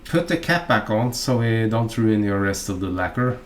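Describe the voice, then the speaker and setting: A man from Norway with a Norwegian accent, narrating a fly-tying tutorial in a halting, chatty way full of fillers and asides. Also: lowish voice, expressive, a little hiss or hum.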